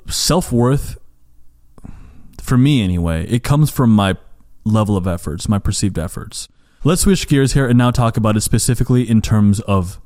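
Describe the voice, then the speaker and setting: A man's voice: fairly low pitch, a little mellow. A young man from the United States hosting a podcast, talking casually and rambling with lots of "like" and restarts. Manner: rambling, heavy use of "like", frequent restarts. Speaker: podcast host. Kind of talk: casual conversation.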